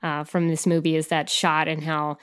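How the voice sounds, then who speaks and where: A woman with a fairly low voice chats about a film scene in a podcast. She often restarts her sentences and fills gaps with "uh" and "um". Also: little pitch movement, smooth. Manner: halting, many restarts and fillers. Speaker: podcast co-host. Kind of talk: casual film discussion.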